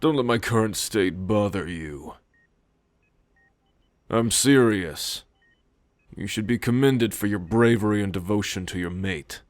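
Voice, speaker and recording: Man as a slow, low-voiced werewolf alpha. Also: no echo. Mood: gentle, reassuring. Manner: deliberate, calmly authoritative. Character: proud, stoic male werewolf pack alpha, newly injured. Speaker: voice actor. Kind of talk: audio roleplay drama, spoken to the listener.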